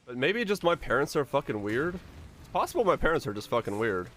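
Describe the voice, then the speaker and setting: A man's voice: medium pitch, very animated, a little fast, a bit bright, slight background noise. A man from Finland chatting casually and informally with viewers as a game livestreamer, musing aloud with some mild swearing. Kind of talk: casual chat with stream viewers.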